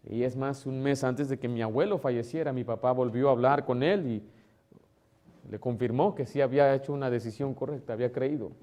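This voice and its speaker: Man, pastor, sermon, emotional, loud bursts and hushed asides, mellow tone, mid pitch. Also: fairly even intonation, brisk. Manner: emotional, swings between loud exclamation and soft tender asides; acts out voices of relatives in a higher tone.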